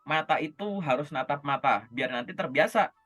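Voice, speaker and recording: A man with a fairly high voice coaches job interview skills over a video call, talking in a lively, chatty way and often checking in with his listener. Faint music plays in the background. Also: normal speed. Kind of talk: casual coaching session.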